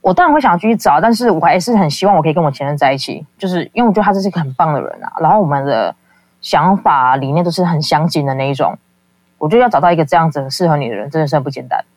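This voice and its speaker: Fast-talking caller. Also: mid-range voice, lively intonation, no echo. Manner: rambling, lots of fillers, acts out quoted people. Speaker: call-in guest. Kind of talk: casual confessional storytelling.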